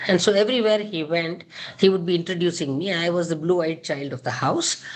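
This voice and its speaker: Over noticeable background noise, a woman with a Kannada accent and a fairly low pitch speaks at a fairly quick pace with ordinary pitch variation. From India (Karnataka). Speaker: gynaecologist. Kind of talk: interview.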